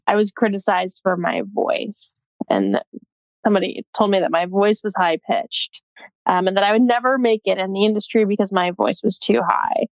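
A woman's voice: medium pitch, animated, normal speed, vocal fry, dry recording. Chatty woman on a dull, dry line. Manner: chatty, many "like" fillers, laughs easily. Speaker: sports reporter, guest. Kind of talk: casual interview chat.

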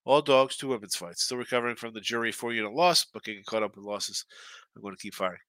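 A man's voice: fairly low pitch, quick pace, fairly bright tone, no room sound. A man hosting a live sports betting show, chatting loosely and reading viewer comments, with a congested, stuffy nose. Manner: chatty and loose, with frequent restarts and asides.

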